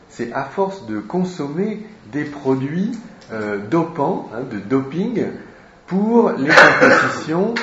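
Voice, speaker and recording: Slow, hesitant male literature teacher. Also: mid-range voice, a bit bright, a little hiss or hum. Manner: slow and deliberate, with frequent hesitations. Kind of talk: explaining a novel page by page. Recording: roomy, dull lo-fi recording.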